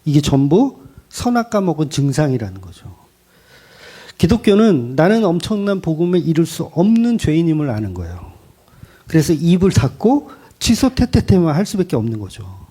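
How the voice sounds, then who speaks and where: A male pastor preaching a sermon in a blunt, colloquial, animated way. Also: a little high, moderate pace, husky.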